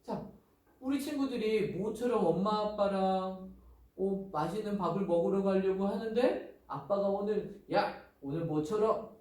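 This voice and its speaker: Pastor giving a children's sermon, animated storyteller, high voice, heard from a distance in a very echoey room. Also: male voice, a little slow.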